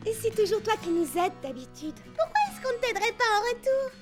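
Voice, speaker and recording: A woman's voice: very high-pitched, big pitch swings, a little fast. A woman voicing a proud, overworked young girl shopkeeper, flustered and emphatic, in a French children's cartoon. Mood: tired, grateful. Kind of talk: French animated children's dub. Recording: background music under dialogue.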